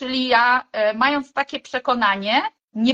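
Her voice high-pitched with a bright, sharp tone, a woman speaks with fairly even intonation in a dry, close sound with no echo. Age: 40s. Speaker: nutrition and health coach. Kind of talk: casual chat. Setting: video call.

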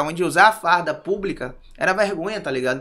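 A man's bright, sharp, high-pitched voice at a moderate pace with ordinary pitch variation. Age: 30s. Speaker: TV presenter. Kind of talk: casual chat.

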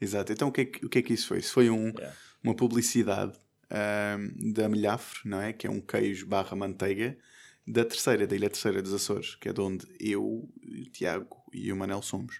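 On a very clean recording with a silent background, a man with vocal fry speaks at a moderate pace and fairly low pitch with fairly even intonation. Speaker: podcast host. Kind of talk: casual chat.

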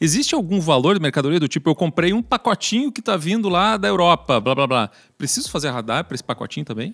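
A man speaks very fast in a high voice with a rural Brazilian accent and very wide pitch swings. The recording is very clean, with a silent background and a dry, close sound with no echo. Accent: Brazilian countryside. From Brazil, countryside. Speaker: podcast co-host. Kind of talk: casual chat.

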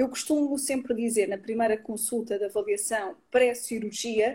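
Her pitch fairly high and her tone dark and mellow, a woman speaks at a moderate pace with fairly even intonation. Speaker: clinical psychologist. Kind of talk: interview on live stream. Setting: online live video stream.

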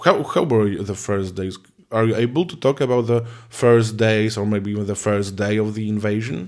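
A man with a Polish accent speaks in a fairly low pitch with ordinary pitch variation. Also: moderate pace. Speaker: podcast host. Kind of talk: casual interview.

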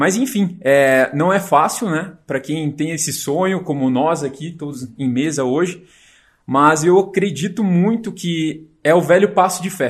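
The man has an unremarkable speaking voice with a fairly high pitch. He goes at a fairly slow pace with ordinary pitch variation. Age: 30s. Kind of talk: casual chat.

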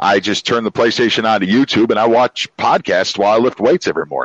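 A man with an American accent uses a normal speaking voice at medium pitch with lively intonation. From Tennessee, US South. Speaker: paranormal investigator, podcaster. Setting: video call.

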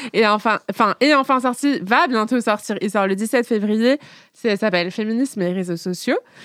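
This is a normal speaking voice with ordinary pitch variation. The recording is very clean, dry and close, with a silent background and no echo. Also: woman, fairly high pitch for a woman, moderate pace. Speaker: sex therapist. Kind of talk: casual chat.

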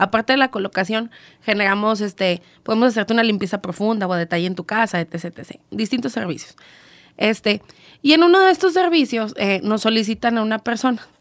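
At a fairly quick pace, a woman with a fairly high pitch and lively intonation speaks in a plain, everyday voice, the sound dry and close with no echo in a very clean recording with a silent background. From Torreón, Coahuila, northern Mexico. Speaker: entrepreneur, domestic staffing business owner. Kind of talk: casual interview. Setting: radio studio.

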